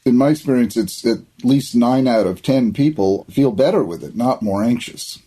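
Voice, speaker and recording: A man's voice: mid-range voice, lively intonation, moderate pace, mellow, breathy edge. A middle-aged man hosting a podcast interview, agreeing often and restarting his sentences. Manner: affirming, frequent agreement, stammering restarts. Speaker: podcast host.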